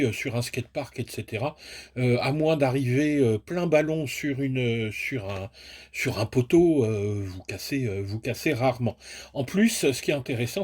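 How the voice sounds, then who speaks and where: Husky-voiced man reviewing a toy car. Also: medium pitch. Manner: chatty, self-mocking, explains step by step. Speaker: toy and hobby product reviewer. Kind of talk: casual unboxing review.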